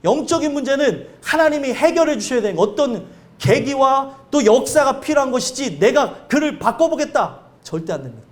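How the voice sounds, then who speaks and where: High-voiced male pastor preaching. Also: a little fast. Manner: earnest, conversational preaching with lively anecdotes. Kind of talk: sermon.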